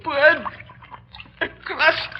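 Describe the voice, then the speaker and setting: A dying, vengeful castaway. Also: male voice, extremely high pitch, fairly even intonation, extremely slow, a little hiss or hum, heavily acted. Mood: desperate. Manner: croaking, desperate, pleading then threatening. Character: delirious starving male convict navigator, vengeful. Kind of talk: 1930s radio drama acting. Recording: dull old radio recording.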